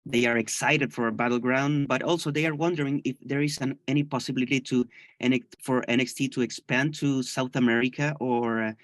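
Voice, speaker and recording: A man's voice: medium pitch, fairly even intonation, fairly quick, a bit bright, dry recording. Man, dry close sound. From Chile. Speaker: reporter. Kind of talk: asking questions on a press call.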